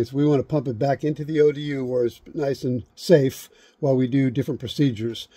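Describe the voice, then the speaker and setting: Outdoors beside an air conditioner unit, a middle-aged HVAC instructor gives a hands-on how-to, recorded on a close-held point-of-view camera with no echo. His mid-range voice is warm with a breathy edge, and he repeats steps and checks in with "okay?"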